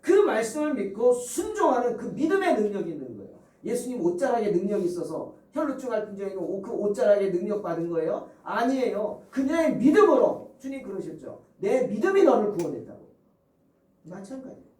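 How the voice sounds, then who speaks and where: A man preaching a sermon as a pastor, animated, acting out scenes and asking the congregation questions. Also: high voice, fairly quick, roomy sound, recorded from a distance, poor audio.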